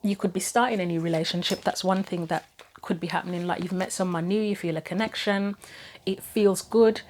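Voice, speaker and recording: A woman's voice: on the low side, fairly even intonation, brisk, darkish tone, slight background noise. A woman doing an informal tarot reading, thinking aloud through possibilities, her throat a little troubled and her voice starting to go. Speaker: tarot reader, host of own channel. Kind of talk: casual spoken tarot reading.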